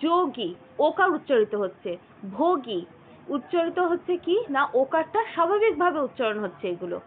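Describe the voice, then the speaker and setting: High-voiced woman teaching over tinny audio. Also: very animated, slight background noise. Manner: explains slowly, breaking words into letters. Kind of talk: online grammar lesson.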